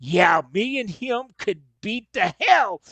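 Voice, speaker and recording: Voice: mid-range voice, expressive, takes it slowly, creaky, a bit bright, breathy edge, dry recording, exaggerated voice. A performer playing a vengeful, frustrated wrestler prince in a staged reading, declaring boasts and threats. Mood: brooding.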